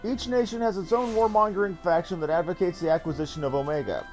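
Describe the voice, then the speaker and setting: A man reading game dialogue aloud as a composed fantasy leader, formal, measured and eloquent in phrasing. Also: sits high, a little mellow, faint music behind, lightly acted. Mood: composed, purposeful.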